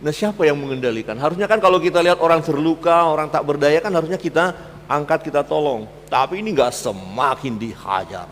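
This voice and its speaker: A man preaching a sermon as pastor, swinging between loud emphatic peaks and low quiet asides. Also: a little fast, in a large hall, slight background noise. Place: church hall.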